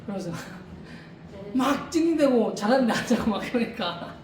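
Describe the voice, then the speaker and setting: A man with a very high, expressive voice preaches an informal sermon as a missionary during a church service, speaking at normal speed with a crowd audible behind him. He talks conversationally, repeats rhetorical questions, chuckles, and restarts his sentences. The room echoes, the mic is distant, and there's faint noise.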